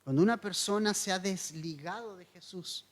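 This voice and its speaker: A man's voice: high voice, moderate pace. A man, a pastor, giving a verse-by-verse sermon in an earnest, explanatory teaching tone, asking his listeners questions and repeating key points.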